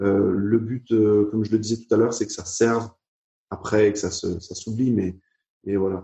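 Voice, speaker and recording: Speaking at a fairly slow pace, a man with a fairly low pitch sounds somewhat breathy, his intonation monotone and flat. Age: 40s. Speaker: worship leader and musician. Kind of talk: interview. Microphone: possible audio problems and lag.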